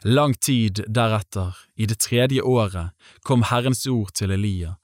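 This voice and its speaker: A man reading scripture aloud in a measured, even way, in a scripted audiobook style. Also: fairly low pitch, dry recording, clean studio sound. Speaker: Bible reader.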